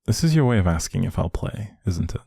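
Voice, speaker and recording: A man playing a doting, playfully teasing young boyfriend in an intimate one-sided roleplay, speaking affectionately with a soft, husky voice. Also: sing-song, fairly quick, no echo, clean studio sound, full character voice. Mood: amused, curious. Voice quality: low, soft, husky, creaky.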